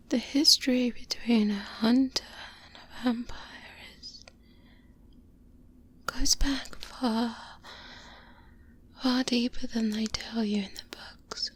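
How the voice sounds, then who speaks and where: A woman playing a seasoned vampire hunter, a calm and protective mentor, in a soft-spoken ASMR roleplay, hushed and breathy, close to the microphone. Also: a little high. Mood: grave, reflective. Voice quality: breathy, whispery. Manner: slow, deliberate, hushed, with long pauses. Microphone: close-up binaural microphone.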